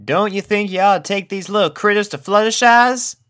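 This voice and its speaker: No-nonsense country mare for a storybook, raised pitch, bright, folksy drawl, acted by a man. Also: fairly quick, smooth. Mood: unsure.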